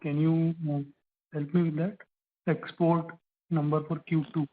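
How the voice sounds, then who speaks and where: A man's voice: on the high side, flat delivery, unhurried. A man with an Indian accent asking financial questions as an analyst on a call. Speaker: analyst caller. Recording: narrow telephone line.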